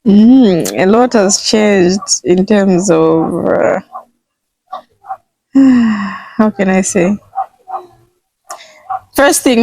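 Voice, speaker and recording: Slow-spoken young woman from Zambia. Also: medium pitch, no echo, poor audio. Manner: slow and thoughtful, with pauses and soft laughs. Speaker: interviewee. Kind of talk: casual interview.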